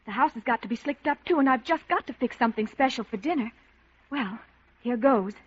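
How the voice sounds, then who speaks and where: An actress playing a cheerful, bubbly young housewife in a 1940s radio ad. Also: female voice, a little high, lively intonation, a little fast, slightly rough. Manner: bubbly, old-fashioned exclamations. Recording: dull lo-fi old radio broadcast.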